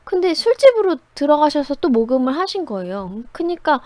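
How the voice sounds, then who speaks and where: A woman teaching a writing class, telling personal stories in a lively, conversational way, often laughing as she goes. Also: high-pitched, fairly quick, dry recording. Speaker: writing instructor.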